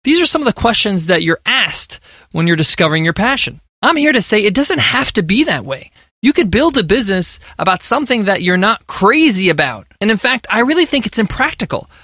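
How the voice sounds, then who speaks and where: An American man in his thirties delivers an emphatic, motivational monologue of business advice. His voice sits high and bright and swings widely in pitch. The recording is dry, with no room sound. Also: dry recording. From United States. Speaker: podcast host.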